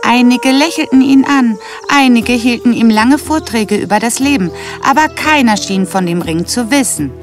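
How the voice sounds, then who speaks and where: A woman's voice: on the high side, normal speed, hardly any pauses. A woman giving a scripted fairy-tale narration as storyteller. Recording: music bed under the voice.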